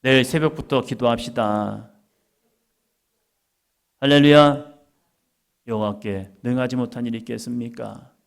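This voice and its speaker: A male pastor preaching, acting out scripture dialogue in a slow, drawn-out, homey voice. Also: mid-range voice, steady tone, gravelly. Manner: dramatizing God's words in a slow, drawn-out homey voice. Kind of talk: sermon.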